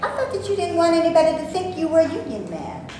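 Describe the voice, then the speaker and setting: An actress in a staged reading playing a skeptical, sardonic Black actress from the 1930s. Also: female voice, extremely high pitch, big pitch swings, fast talker, dark tone. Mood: wry. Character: Black actress of the 1930s, wary, wry and outspoken. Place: stage before a live audience. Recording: very echoey room, faint noise.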